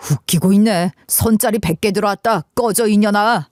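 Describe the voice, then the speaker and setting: A woman's voice: mid-range voice, lively intonation, moderate pace, darkish tone, no room sound, studio quality, lightly acted. Woman voicing a sneering arrogant young man. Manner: sneering, dismissive, drawled. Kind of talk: dramatized story narration.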